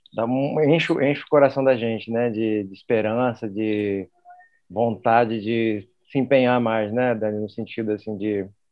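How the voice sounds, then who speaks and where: This man's voice sits at a medium pitch, delivered at a fairly slow pace with fairly even intonation. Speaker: actor. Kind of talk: interview. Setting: studio. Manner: halting, many fillers.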